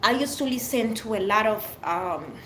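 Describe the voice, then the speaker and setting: A woman's voice: a little high, expressive, normal speed, a bit bright, slight background noise, poor audio. A middle-aged woman from Haiti with a French accent, chatting openly and earnestly on a livestream, answering viewers in short, restarting phrases. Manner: open, earnest, speaks in short fragments with restarts. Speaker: livestream host.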